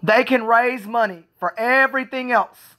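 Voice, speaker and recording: A woman's voice: on the high side, normal speed, a bit bright. Frustrated woman venting. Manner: frustrated, repetitive, profane ranting. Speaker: Special Olympics athlete. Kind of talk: venting vlog monologue.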